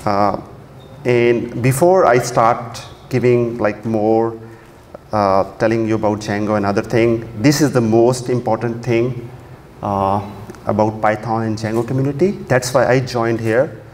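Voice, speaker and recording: A man whose first language is Urdu gives a technical conference talk from a podium in a large, dark auditorium, relaxed but full of fillers and restarts. His mid-range voice moves at a measured pace. Long hall reverb, faint ambience, and slight background noise fill the recording.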